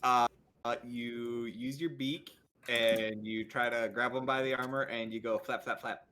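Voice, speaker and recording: A man's voice: medium pitch, fairly even intonation, a little slow, sharp tone. A man playing a tabletop role-playing game, speaking in casual, playful banter. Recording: noticeable noise with clicking.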